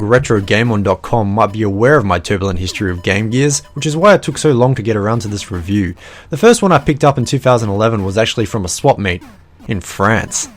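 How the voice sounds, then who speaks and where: A man narrating a scripted retro video game review, with wry, self-deprecating jokes between points. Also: lowish voice.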